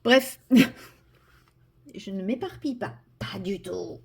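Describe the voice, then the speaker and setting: A woman's voice: mid-range voice, expressive, takes it slowly, vocal fry, breathy edge. A French woman chatting casually as she colors at her desk, self-mocking, sometimes dropping to a whisper, recorded by a camera on a tripod. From France. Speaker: vlogger. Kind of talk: casual vlog while coloring. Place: indoors at a desk.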